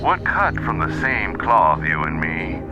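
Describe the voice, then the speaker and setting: A man playing a smooth-talking, menacing villain in an audio drama, taunting with slow deliberation. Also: low-pitched, sing-song, highs cut off. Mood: smooth menace. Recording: loud music under the voice.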